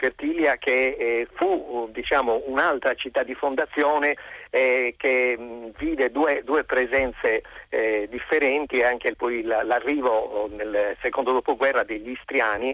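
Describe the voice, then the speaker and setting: A man talks at a very slow pace with fairly even intonation, the sound dry and close with no echo. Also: medium pitch for a man. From Sardinia, Sassari. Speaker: historian. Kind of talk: interview.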